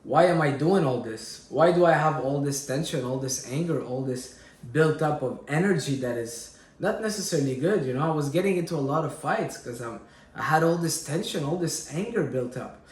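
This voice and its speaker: A fitness vlogger in his late twenties from Syria speaks candidly to camera in a reflective personal monologue. His voice is a little high with lively intonation and a moderate pace, recorded in an echoey room. He often repeats himself and adds fillers while searching for words.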